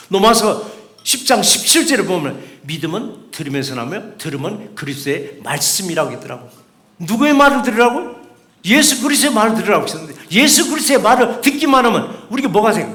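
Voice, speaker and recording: Male pastor, sermon delivery, higher voice, emphatic rhetorical questions, roomy church echo. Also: a bit bright. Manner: acts out quoted voices in dialogue. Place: church sanctuary.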